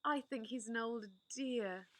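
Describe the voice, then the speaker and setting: A woman's voice: on the high side, a little slow, fairly bright tone. A woman voicing a prim, motherly older girl in a storybook reading.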